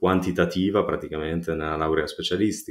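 A man speaks at a very deep, low pitch. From Italy, Carpi (Emilia-Romagna); Emilia-Romagna, Italy. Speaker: marketing and startup executive; podcast guest. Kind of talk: interview. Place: home room.

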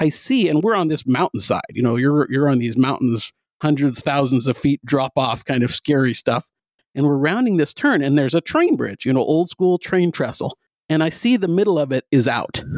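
A man's plain, everyday voice with an American accent, fairly high in pitch, at a moderate pace, with ordinary pitch variation, very even loudness and a dry, close sound with no echo. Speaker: podcast co-host. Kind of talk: casual chat.

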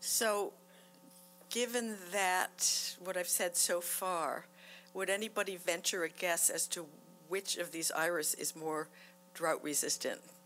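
Faint music plays behind a woman who speaks at a medium pitch and a fairly slow pace, with fairly even intonation and long, frequent pauses. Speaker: gardening expert and speaker; speaker. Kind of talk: lecture. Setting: stage with audience. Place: hall.

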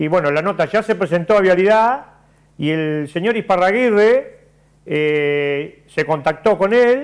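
Against a quiet background, a man speaks with lively intonation in a high pitch. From Argentina. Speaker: neighborhood community leader. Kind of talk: radio interview. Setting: studio.

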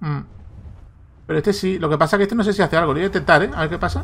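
A man with a Spanish accent talks at a very fast pace. His voice has vocal fry. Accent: Peninsular Spanish. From Spain. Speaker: gaming YouTuber. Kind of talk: gameplay commentary. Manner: animated. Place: home room.

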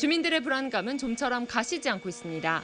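With noticeable background noise, a woman speaks at a high pitch. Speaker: news reporter. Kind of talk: news report.

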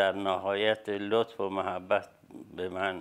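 At a fairly low pitch, a man speaks with monotone, flat intonation. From Iran, Shiraz; Iran. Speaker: ney musician. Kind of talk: life story interview. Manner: halting. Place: home room. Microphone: lapel.

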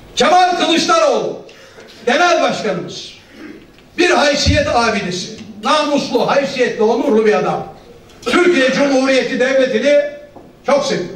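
Amid light background noise and audible room echo, a man speaks at an extremely high pitch with lively intonation, at a fairly slow pace with long, frequent pauses. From Eastern Anatolia, Erzincan (Tercan); Eastern Anatolia. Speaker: trade union leader and politician; speaker. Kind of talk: political speech. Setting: stage with audience. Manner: rousing, emphatic. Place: hall.

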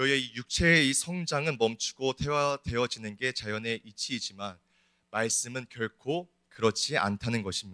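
A man speaks at a moderate pace in a medium pitch, his tone bright and sharp. The recording is very clean, with a silent background. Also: ordinary pitch variation, dry, close sound with no echo. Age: 20s. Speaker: junior pastor. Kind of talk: sermon. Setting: church.

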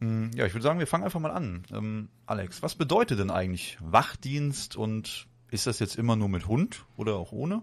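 Recorded very cleanly against a silent background, a man of medium pitch speaks at a moderate pace with very wide pitch swings. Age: 30s. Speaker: podcast host. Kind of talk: casual chat.

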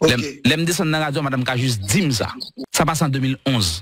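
A man is speaking. His intonation is lively. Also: dry sound with no echo. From Haiti. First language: Haitian Creole (speaking French). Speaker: radio host. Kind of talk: interview. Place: studio. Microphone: studio mic.

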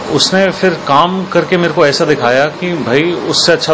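A man speaks over noticeable background noise. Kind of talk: interview answer. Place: cafe. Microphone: handheld.

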